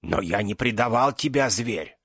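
Man voicing a pleading aging magister, raised bright voice, wide swings in pitch, dry close sound. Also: expressive, moderate pace, husky, no room sound, exaggerated voice. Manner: pleading, rising to outbursts. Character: desperate aging male magister, pleading mentor.

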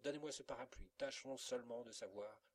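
A man reading a storybook aloud, voicing an anxious, agitated gentleman. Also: mid-range voice, a little fast, close to an everyday voice. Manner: urgent, agitated. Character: anxious gentleman hunting his cane.

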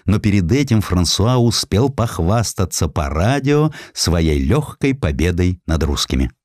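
A man reading a scripted historical narrative in an expressive, emphatic storytelling manner. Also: sits low, a little slow, dry recording, studio quality. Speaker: audiobook narrator.

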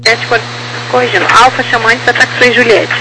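A woman's voice: on the high side, fairly quick. A woman working as an air traffic ground controller, giving terse, businesslike procedural instructions over a walkie-talkie style radio. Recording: noisy radio transmission, vehicle-like background noise.

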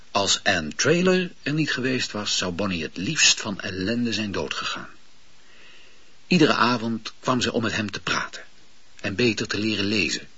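A man narrating a radio play in a calm, measured, husky voice. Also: fairly low pitch. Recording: dull lo-fi old radio recording.

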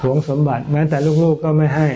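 A middle-aged man, a Buddhist monk teacher, answering questions in an unhurried, joking, plain way. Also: on the high side, little pitch movement, dark tone. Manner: unhurried, joking, explains plainly in Thai and English. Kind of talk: relaxed dharma Q&A talk. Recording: muffled with faint noise.

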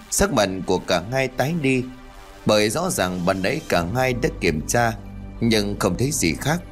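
Low, expressive male storyteller. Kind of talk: scripted story narration. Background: faint background music.

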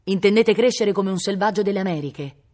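A woman's voice: medium pitch, brisk, mellow, pitched above the performer's own voice, lightly acted. A woman reading aloud, voicing a stern aristocratic father scolding his son with grave, bitter reproach.

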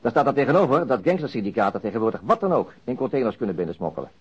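An actor playing a stubborn, dry-humoured middle-aged police detective in a Dutch radio drama, wry and self-interrupting. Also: male voice, medium pitch, big pitch swings, racing, breathy edge. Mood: animated, wry. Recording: muffled archived radio drama recording.

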